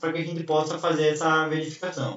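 Music can be heard behind the voice. The man's delivery moves at a fairly quick pace. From Brazil. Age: 20s. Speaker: web developer teaching programming. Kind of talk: online programming class.

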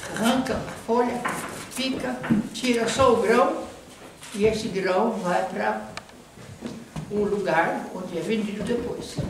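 A woman speaks very slowly with ordinary pitch variation, over noticeable background noise and audible room echo. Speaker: grandmother teaching a craft. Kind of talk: craft demonstration to children. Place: home room. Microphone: camera far.

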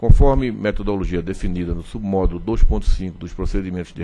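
A man speaks at a fairly quick pace in a plain, everyday voice over a quiet background. His pitch sits fairly low, and his intonation stays fairly even. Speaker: regulatory agency director. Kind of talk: formal reading of report and vote. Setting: public board meeting. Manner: formal.

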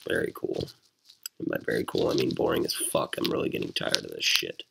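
Someone with an American accent speaks over noticeable background noise. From United States. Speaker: gaming YouTuber. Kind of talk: let's play gaming commentary; gameplay commentary. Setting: poor-quality home microphone. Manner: crude, excitable, joking.

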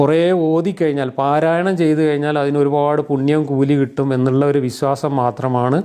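A man's fairly high voice with a dark, mellow tone, fairly even intonation and very even loudness. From Kerala, India. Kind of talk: video monologue.

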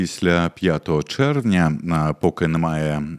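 Captured in a dry, close sound with no echo, this man's very clean recording has a silent background. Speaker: TV host. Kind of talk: studio interview. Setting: studio.

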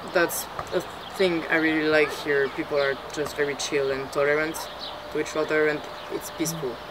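With a French accent, a woman with a very deep, low pitch talks at a moderate pace in a monotone, flat delivery, leaving long, frequent pauses, while noticeable background noise runs beneath her. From France. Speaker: street artist. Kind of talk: interview. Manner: halting. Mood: warm, relaxed, animated.

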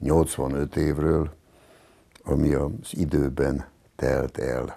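Over a quiet background, a man talks in a flat monotone with vocal fry and a dark, mellow tone. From Transylvania, Romania; Romania. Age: 80s+. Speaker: cultural historian; interviewee. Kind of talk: interview monologue. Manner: formal. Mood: calm, reflective. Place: home room.

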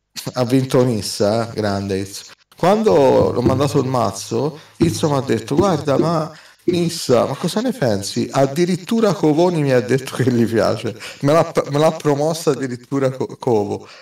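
A man speaks slowly-ish, at a fairly slow pace, in a normal speaking voice. His pitch is fairly high, with lively intonation. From Livorno, Tuscany. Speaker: Magic: The Gathering streamer. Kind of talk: casual live-stream gameplay chat. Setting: live stream with webcam.

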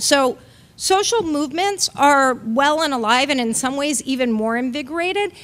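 Speaking at a moderate pace, a woman with an American accent has a high-pitched voice. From Texas. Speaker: political strategist; panelist. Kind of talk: panel discussion. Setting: stage with audience. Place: stage. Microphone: podium.

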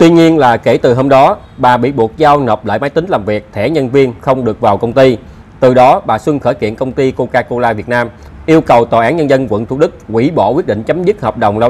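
A man with an unremarkable speaking voice and a medium pitch talks at a moderate pace with ordinary pitch variation and hardly any pauses. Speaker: lawyer vlogger. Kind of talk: reading a news article aloud; legal commentary.

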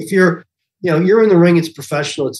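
A man's voice comes through somewhat breathy. The background is quiet. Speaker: amphibian podcaster and hobbyist keeper; amphibian podcaster. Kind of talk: casual interview conversation. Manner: animated when passionate. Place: home room. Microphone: video call.

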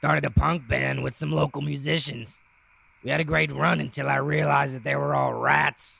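In a cartoonish character voice, a man speaks with a raspy, very deep, low pitch. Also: moderate pace.

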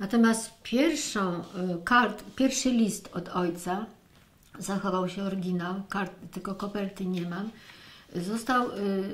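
Speaking at a very slow pace, a woman has a medium pitch and a somewhat breathy sound. Her pitch varies in an ordinary way. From Poland. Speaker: daughter of a Katyn massacre victim, witness. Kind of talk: oral history interview answer. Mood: calm, reflective recollection. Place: office.

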